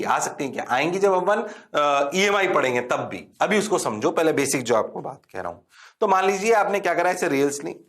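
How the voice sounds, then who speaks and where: A man teaching a physics lecture, playful, chanting formulas and answering himself in a mock student voice. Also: on the high side. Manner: sing-song repetition of formulas. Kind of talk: classroom lecture.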